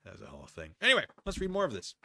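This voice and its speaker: An American man with a very animated, swooping delivery and a forceful, bright tone. He reads formal text aloud with theatrical flair and wanders into wry, casual commentary. The sound is close and dry. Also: mid-range voice, rapid-fire, gravelly, no echo. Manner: animated, wry, digressive, easily excited. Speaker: online streamer reading a document with commentary. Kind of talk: dramatic document reading with casual off-the-cuff asides.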